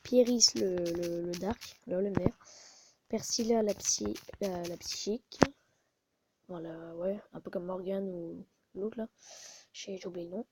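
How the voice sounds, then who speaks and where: A woman's voice: lowish voice, fairly even intonation, a little slow, background noise. A woman hosting a casual gaming video, muttering to herself and often stopping to correct herself, recorded on a phone. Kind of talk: casual gameplay commentary.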